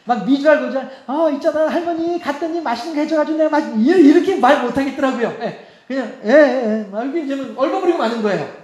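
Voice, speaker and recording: Male pastor, chatty preacher with frequent laughs and rhetorical questions, voice pitched very high, recorded in a roomy sanctuary. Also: fast talker, darkish tone. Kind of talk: sermon. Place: church sanctuary. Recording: echoey church hall.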